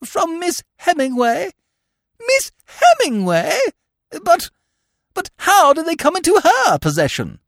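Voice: medium pitch, huge pitch swings, normal speed, dry recording, clean studio sound. A performer voicing an imperious, easily outraged elderly English aunt, snapping and exclaiming theatrically in an audiobook story. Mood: flustered disbelief.

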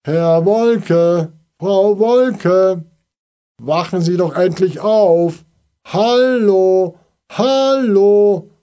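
A man voicing an upset neighbour woman who calls out loudly and indignantly in a storybook reading. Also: sits high, sing-song, slow pace, husky, voice pushed up, heavily acted. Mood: indignant shouting. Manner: loud, indignant calling out. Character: upset shouting neighbour woman, worried mother.

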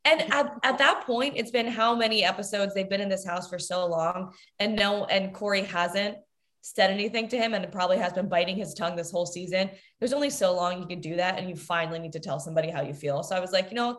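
A woman co-hosting a reality show aftershow, chatting casually and candidly, swearing freely and getting animated when heated. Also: mid-range voice, fast talker. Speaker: podcast co-host.

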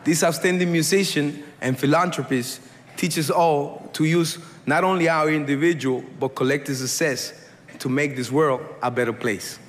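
A man's voice: fairly high pitch, measured pace. A man reading a formal award presentation speech. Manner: formal, read from script. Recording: roomy hall with ambience.

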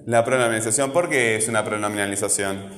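A man's voice: lowish voice, quick pace, fairly bright tone, slight background noise. A man teaching a grammar lesson to a class. He asks patient, coaxing questions and sounds out words syllable by syllable. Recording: echoey classroom, roomy reverb.

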